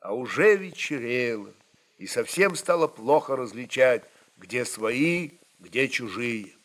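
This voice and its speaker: A man's voice: medium pitch, expressive, takes it slowly, fairly bright tone. A man narrating a literary historical story in a dramatic audiobook style.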